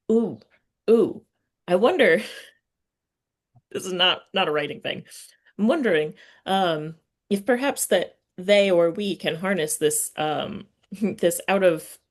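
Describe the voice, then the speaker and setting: A woman hosting a casual literary interview, speaking informally and thinking aloud as she forms her questions. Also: fairly low pitch. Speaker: podcast interviewer and writing teacher.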